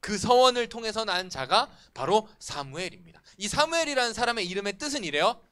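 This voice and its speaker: A man preaching to a church youth group, animated and often asking the students questions. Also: sits high, fairly quick, clean tone. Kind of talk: sermon. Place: church worship room.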